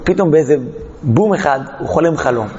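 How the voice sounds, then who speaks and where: A man's voice: a little high, animated, dark tone, big-room sound, dull audio, a little hiss or hum. A man teaching a Torah lesson, telling a parable dramatically and acting out the characters. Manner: dramatic storytelling, acts out the characters. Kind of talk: storytelling lesson.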